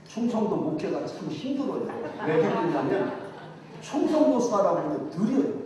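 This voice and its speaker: An older male revival preacher with a Chungcheong Korean accent delivers his sermon in a high, animated voice. He jokes with the congregation as he preaches. The sound is distant, ringing through a big echoing church hall. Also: normal speed, over a noisy crowd. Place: large church sanctuary. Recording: echoey hall, distant mic.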